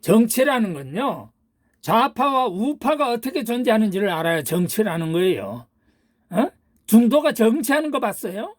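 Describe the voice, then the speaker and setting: Older woman ranting with lively pitch. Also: moderate pace, dry recording, clean studio sound. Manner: ranting, full of rhetorical questions and insults. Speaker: channel host. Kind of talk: political monologue.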